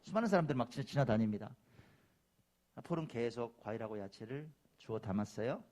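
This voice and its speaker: In a church sanctuary, a male pastor delivers a Sunday sermon in an animated, slightly fast, mid-range voice with a darkish tone. He speaks emphatically, repeats key phrases, and addresses the congregation directly.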